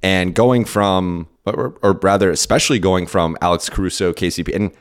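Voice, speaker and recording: A hoarse, worn-out man hosting a solo podcast, answering listener questions in a rambling, casual way with many restarts. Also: sits low, fairly even intonation, moderate pace. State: hoarse, lost his voice and tired. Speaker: podcast host and basketball beat writer.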